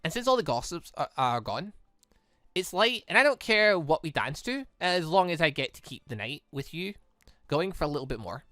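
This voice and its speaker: Guy playing a sweet devoted young guy in a dating game, awkward, sincere, lively highish voice. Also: moderate pace, dry recording, clean studio sound, soft background music. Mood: hopeful. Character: earnest, devoted young man on a date. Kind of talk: visual novel read aloud.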